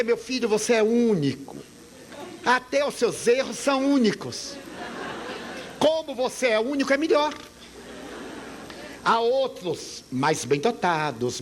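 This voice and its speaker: A man voicing a gentle, motherly female spirit guide who speaks softly and reassuringly. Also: very high-pitched, a little hiss or hum, pitched above the performer's own voice, heavily acted. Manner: soft, tender, reassuring.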